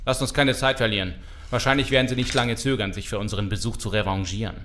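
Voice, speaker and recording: A man's voice: lowish voice, steady tone, fast, bright, forceful tone, slight background noise. An actor playing a determined, firm street gang leader rallying his people in a German audio drama. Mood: resolute. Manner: firm, commanding.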